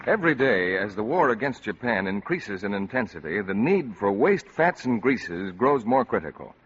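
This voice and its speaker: A man reading formal closing announcements in a 1940s radio broadcast, measured and official. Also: lowish voice, very animated, fairly bright tone, dull audio, soft background music.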